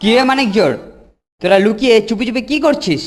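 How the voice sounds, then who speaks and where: Woman doing a bossy scheming cartoon bully boy, boastful n blustery, highish voice, music behind. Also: expressive, fast talker, lightly acted. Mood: bossy, threatening. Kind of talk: animated comedy cartoon dialogue.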